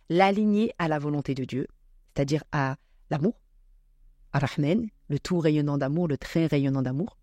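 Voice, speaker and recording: Woman, podcast guest, warm mellow tone, dry close sound, thoughtful with many fillers. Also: low voice, no echo. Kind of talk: reflective spiritual talk.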